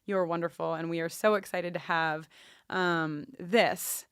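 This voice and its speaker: A woman's voice: lowish voice, steady tone, a little slow, fairly bright tone, clear, resonant tone, no echo, studio quality. A woman co-hosting a podcast in casual chat and announcements, effusive and given to playfully repeating phrases. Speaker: podcast co-host.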